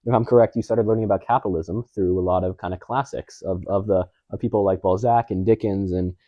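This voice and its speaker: A man interviewer who talks quickly and builds long, wordy questions with plenty of setup. His voice is somewhat low and mellow, and the recording is dry and a little muffled. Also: steady tone, no echo.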